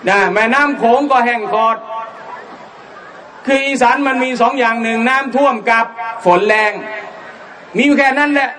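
A man's voice: very high-pitched, fairly bright tone. A man giving an Islamic religious lecture, telling jokey stories and mimicking regional dialects. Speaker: Islamic preacher. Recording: live lecture with crowd and background noise.

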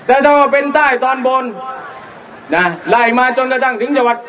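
A man's voice: very high voice, fairly even intonation, moderate pace, a bit bright. A man giving an Islamic religious lecture, telling jokey stories and mimicking regional dialects. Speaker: Islamic preacher. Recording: live lecture with crowd and background noise.

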